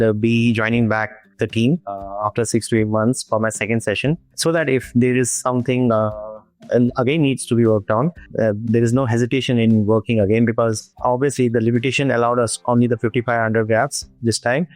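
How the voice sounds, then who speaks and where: Male patient testimonial, Kashmiri Indian accent, flat and halting delivery, dry close sound over music. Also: mid-range voice, dry recording. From Srinagar, Kashmir, India. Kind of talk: casual video testimonial.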